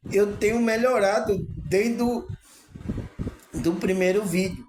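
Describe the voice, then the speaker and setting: High-voiced man in an echoey room. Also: takes it slowly, a little mellow. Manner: rambling, repeats tag questions to the audience. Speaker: spiritual channel host. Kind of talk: informal spiritual talk to viewers. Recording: echoey room with faint ambient noise.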